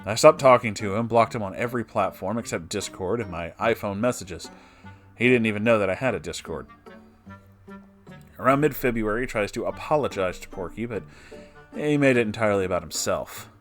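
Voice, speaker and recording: A man's voice: fairly low pitch, brisk, fairly bright tone, soft background music. A man narrator reading a written personal story aloud, with brief asides of his own. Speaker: narrator reading online stories.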